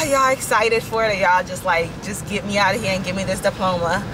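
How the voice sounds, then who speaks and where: A young woman with a mid-range voice speaks at normal speed in a casual vlog, filmed on a phone she holds at arm's length. A bit raspy from yelling at a concert, she chats away, laughs often, and calls her audience y'all. She goes from inside a car to a store, with background noise from each.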